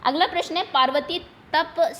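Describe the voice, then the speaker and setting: A woman's voice: very high voice, moderate pace, a bit bright, slight background noise. A woman teacher going through exam questions one at a time, patiently repeating each term in plain Hindi. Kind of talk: explaining exam answers.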